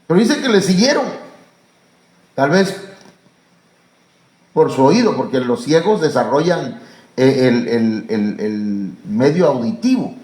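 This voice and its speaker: A man with a Mexican Spanish accent preaching a sermon as pastor, pausing on fillers and rising to emphatic high calls. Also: very animated, darkish tone. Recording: echoey church room.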